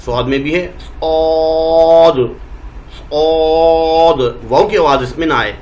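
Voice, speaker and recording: A male teacher with a Pakistani Urdu accent, giving a Quran reading lesson and drawing out each letter name slowly to show how it is said. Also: medium pitch, rough recording. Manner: draws out letter names slowly, modelling pronunciation.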